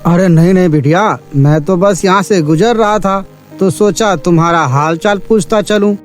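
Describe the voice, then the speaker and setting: A man's voice: high-pitched, normal speed, faint music behind, natural voice. A man voicing a kindly, easygoing uncle-like landlord in a cartoon story, with a reassuring manner. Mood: friendly. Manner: avuncular, reassuring.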